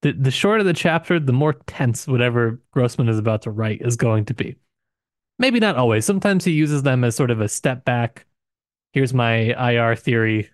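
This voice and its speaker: Man, mid-range pitch, close dry sound, casual book podcast co-host, wry, teasing asides. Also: lively intonation, normal speed, no room sound. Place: recording booth.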